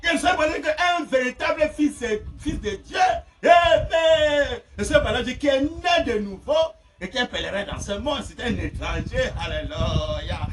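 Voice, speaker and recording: A man preaching a fiery sermon, shouting and laughing between phrases. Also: extremely high pitch, animated, normal speed, few pauses. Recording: distant mic with faint noise.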